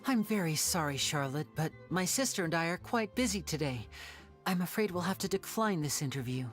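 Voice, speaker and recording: A man's voice: fairly high pitch, expressive, fairly quick, natural voice. A man voicing a suave young male stage magician in a video game, theatrical, polished and teasing. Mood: polite, evasive. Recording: game audio with music behind.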